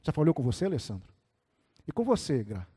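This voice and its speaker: A male pastor preaching a sermon with animated storytelling, calling on his listeners by name. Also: a little high, fairly quick, slightly rough. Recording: echoey hall reverb.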